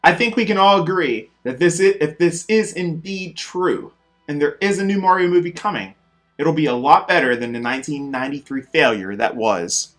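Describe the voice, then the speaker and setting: A man's voice: a little high, lively intonation, moderate pace, a bit bright. Emphatic male gaming news host, music behind. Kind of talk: scripted video game news presenting.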